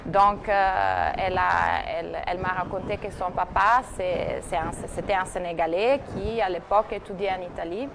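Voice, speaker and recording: A woman's voice: lowish voice, steady tone, normal speed, gravelly, few pauses. A woman presenter on a TV talk show recounting someone's story, with frequent fillers and restarts. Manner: hesitant, many fillers and restarts. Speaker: TV segment presenter. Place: TV studio. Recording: TV studio broadcast with faint noise.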